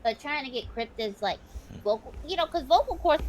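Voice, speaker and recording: Chatty woman streamer, real high squeaky voice, bounces all over, swears a lot. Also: expressive, fairly quick, slight background noise, low-quality recording. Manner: high-pitched, calls own voice annoying. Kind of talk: casual chat.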